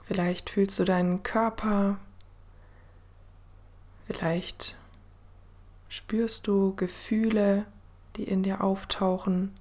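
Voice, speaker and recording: A woman host guiding a meditation in the soothing manner of a sleep story narrator, gentle and unhurried, with a soft, breathy voice that often drops to a near-whisper. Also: medium pitch, little pitch movement. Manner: gentle, unhurried, with long pauses. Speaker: podcast host and meditation guide.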